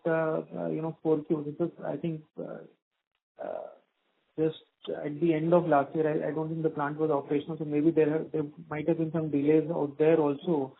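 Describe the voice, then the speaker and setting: Casting: hesitant male analyst, gravelly and fairly high voice, heard over a tinny phone line. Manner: hesitant, full of "you know". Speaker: analyst asking questions. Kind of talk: earnings call questions.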